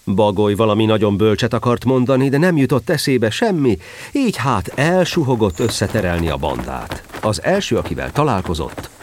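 A man narrating a children's story in an expressive storytelling style. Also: lowish voice.

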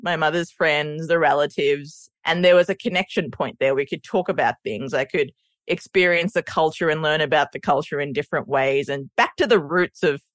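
A woman's voice: low voice, normal speed, dry recording. A woman from Sri Lanka, raised in Australia, with an Australian accent, telling stories as a podcast guest and acting out what people said. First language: Sinhala. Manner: animated storyteller, laughs often, acts out quotes. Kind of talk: casual interview chat.

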